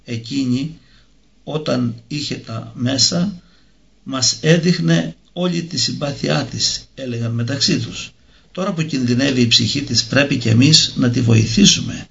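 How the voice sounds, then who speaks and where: Gravelly male storyteller, lo-fi. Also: mid-range voice, a bit bright. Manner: slow, measured reading. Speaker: narrator. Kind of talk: storytelling of a religious tale. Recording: dull lo-fi recording.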